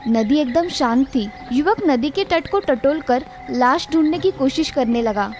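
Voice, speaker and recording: A woman narrating a village ghost story in an even, dramatic scripted reading. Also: high-pitched, measured pace, slight background noise.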